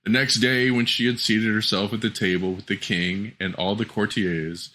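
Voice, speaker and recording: A man with a fairly low voice tells a fairy tale. His tone is bright and forward, and his scripted storytelling is measured and expressive.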